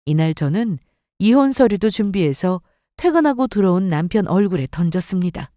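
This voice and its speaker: A woman's voice: mid-range voice, big pitch swings, moderate pace, warm tone, no room sound, clean studio sound. A woman narrating a dramatized story for radio and voicing the firm, cold wife.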